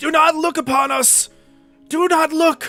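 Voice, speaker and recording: Putting on a character voice, a man talks at a fairly slow pace in an extremely high pitch, with faint music in the background. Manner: pained, pleading.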